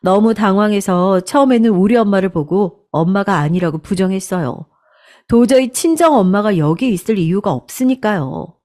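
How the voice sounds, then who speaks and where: Woman storyteller reading her story, even and confessional, middle pitch. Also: normal speed. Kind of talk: scripted first-person story narration.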